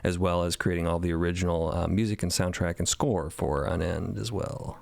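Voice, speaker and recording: A man's voice: low voice, fairly even intonation, a little fast, gravelly, darkish tone, no room sound, studio quality. A man on a podcast panel, talking in an easygoing, appreciative way about his sound work. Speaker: sound designer and composer. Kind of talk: casual roundtable chat.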